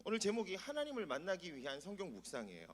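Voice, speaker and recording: This man's voice is high. His delivery is fairly quick. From Gyeongsang region, Korea. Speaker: church lecturer. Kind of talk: lecture. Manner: fast.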